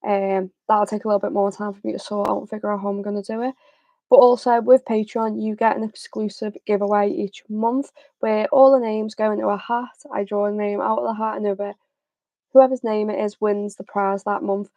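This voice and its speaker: Chatty young woman with a slightly raspy voice. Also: mid-range voice, a little fast, dry recording. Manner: chatty, relaxed, many fillers. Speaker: host of a football livestream. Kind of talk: casual live chat.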